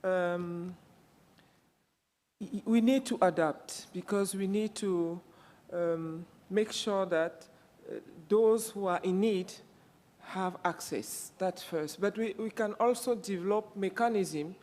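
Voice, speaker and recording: A woman's voice: medium pitch, takes it slowly, a little mellow, in a large hall. A woman from Cameroon speaking as a panelist, hesitant, with many fillers and restarts. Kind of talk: panel discussion remarks.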